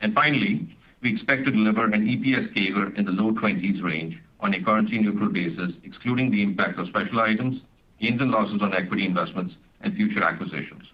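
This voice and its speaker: Man, low husky voice, formal measured finance executive, dull conference call audio. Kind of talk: scripted financial presentation on an earnings call. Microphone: conference call line.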